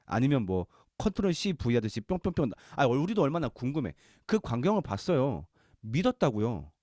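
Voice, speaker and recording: Speaking in a mid-range, darkish, sing-song voice at normal speed, a Bible study lecturer teaches in a conversational style. He poses questions to the audience and acts out quotes, and the clean studio recording has no room sound.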